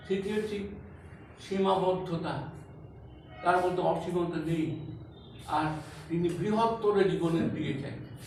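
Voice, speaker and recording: A man speaking at a literary meeting in a halting, reflective way, pausing often between words. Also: sits high. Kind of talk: lecture speech. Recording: echoey hall from far off, with noise.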